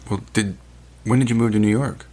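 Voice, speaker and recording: A man with a low, husky voice hosts a podcast. He asks his guest direct, probing questions at a brisk clip. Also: a little mellow. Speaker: podcast host. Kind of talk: interview questions.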